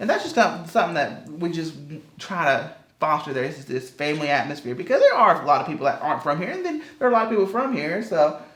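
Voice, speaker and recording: Amid noticeable background noise and audible room echo, a man with a high pitch talks at a very fast pace with lively intonation. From Arkansas. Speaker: TV news worker. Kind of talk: interview.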